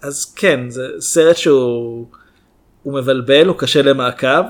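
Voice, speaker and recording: A man co-hosts a relaxed film podcast at a middling pitch. He weighs his words, pausing and hedging as he gives his views. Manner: measured, hesitant, many fillers. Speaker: podcast co-host. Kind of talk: casual film chat.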